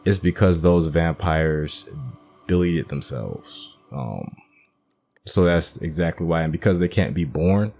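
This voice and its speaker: A man with a low voice hosts a gaming video with casual commentary. He explains things informally, working through his thoughts aloud. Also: unhurried, creaky, a little mellow, faint music behind.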